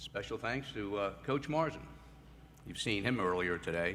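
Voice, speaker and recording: In an American accent, a man with a fairly low voice speaks at a moderate pace with lively intonation, and the room echo is audible. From Edgewood, Maryland, US. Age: 70s. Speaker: hall of fame inductee, businessman. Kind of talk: acceptance speech. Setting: auditorium ceremony with audience.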